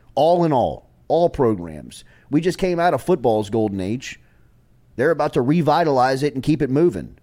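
A man with a fairly high pitch and a dark, mellow tone speaks at a moderate pace with lively intonation on a very clean recording with a silent background. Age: 40s. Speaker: sports radio host. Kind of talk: casual sports talk show. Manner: animated.

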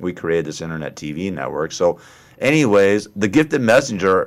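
On a very clean recording with a silent background, a man with a very deep, low voice speaks at a moderate pace. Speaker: radio host. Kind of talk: radio interview, casual chat. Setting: studio.

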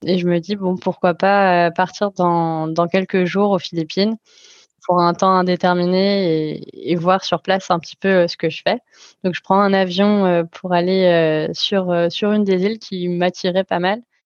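Speaking at a fairly slow pace, a woman has a medium pitch and monotone, flat intonation. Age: 20s. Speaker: traveller telling her travel story. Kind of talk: personal travel testimony. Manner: hesitant, many fillers and restarts.

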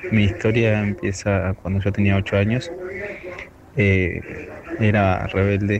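Over noticeable background noise, a man speaks in a monotone, flat delivery at a fairly low pitch. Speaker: listener. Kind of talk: testimony. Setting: voice message.

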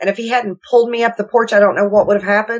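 This is a woman's voice. She speaks with an Appalachian accent. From West Virginia. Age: 50s. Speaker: paranormal investigator. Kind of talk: eyewitness account interview.

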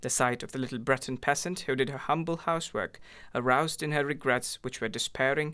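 A natural voice reading aloud.

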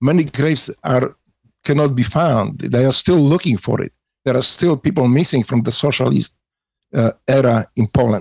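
Speaking with a non-native accent and some vocal fry, a man talks at a moderate pace in a medium pitch with ordinary pitch variation, the sound dry and close with no echo. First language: not English. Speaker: war veteran. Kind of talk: interview, personal testimony. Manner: halting.

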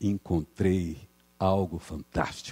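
Very slowly, a man speaks with a very deep, low pitch and a dark, mellow tone. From Brazil, São Paulo east zone. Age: 60s. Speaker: broadcaster. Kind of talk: inspirational talk to an audience.

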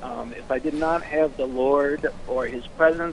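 A man speaks at a fairly slow pace. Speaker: therapist and author. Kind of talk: radio interview.

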